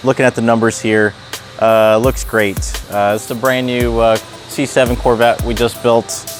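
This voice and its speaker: A man's voice: mid-range voice, little pitch movement, a little slow, faint music behind. A man presenting a product tutorial in an informal, plain-spoken, unscripted way, as someone who works hands-on in a shop. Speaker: race car builder presenting a product tutorial. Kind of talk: casual hands-on product demonstration.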